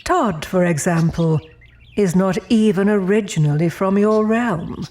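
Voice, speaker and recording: An actress playing a serene otherworldly architect in an audio drama, politely cold, formal and measured. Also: female voice, medium pitch, darkish tone, natural voice. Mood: cool, composed.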